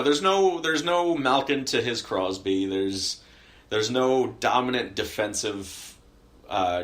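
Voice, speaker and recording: A man's voice: on the low side, fairly bright tone. A young man co-hosting a sports podcast, talking casually and rambling with many fillers and restarts. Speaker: podcast co-host.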